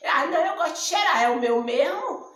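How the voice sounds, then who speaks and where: A middle-aged woman from Ceará with a northeastern Brazilian accent, hoarse, chatting and joking to camera in her home vlog. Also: sits high, expressive, a little fast, a bit bright. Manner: joking, chatty, laughs often. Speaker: vlogger. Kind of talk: casual chat to camera. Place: small room indoors at home. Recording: echoey room.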